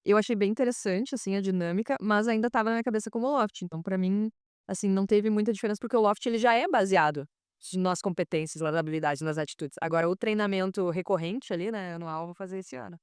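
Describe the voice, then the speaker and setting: A woman, a pilot hosting a podcast interview, asking questions in a quick, chatty way. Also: mid-range voice, fairly even intonation, a little mellow, clean tone, no room sound, clean studio sound.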